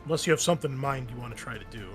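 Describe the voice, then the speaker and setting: A man with a medium-pitched voice runs a tabletop roleplaying game. He talks casually, a little profane, often thinking aloud as he manages the session. Clear background music plays under him. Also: very fast. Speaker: game master.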